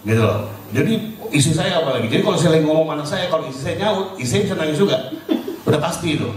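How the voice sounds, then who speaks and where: A man's voice: on the high side, darkish tone. Middle-aged guy telling his story, rambly, english words mixed in, very echoey room, mic far away. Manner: talks in long loose runs, mixing in English words. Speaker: participant sharing spiritual testimony. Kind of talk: casual personal testimony.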